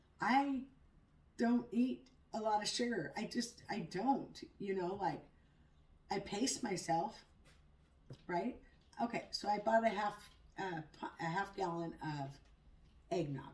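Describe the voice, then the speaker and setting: A woman's somewhat breathy, medium-pitched voice with lively intonation, a very slow pace and long, frequent pauses. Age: 50s. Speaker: vlogger. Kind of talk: casual chat. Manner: halting.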